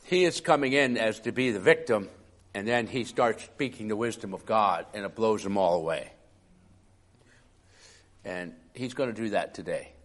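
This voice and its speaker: A man preaching a sermon in a conversational way, with a raspy, hoarse voice from a cough and chuckling asides. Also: fairly low pitch, normal speed.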